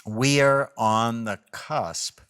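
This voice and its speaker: A middle-aged man co-hosting a podcast, speaking in a measured, thoughtful way. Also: mid-range voice, a bit bright, smooth. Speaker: podcast co-host. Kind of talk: casual conversational podcast.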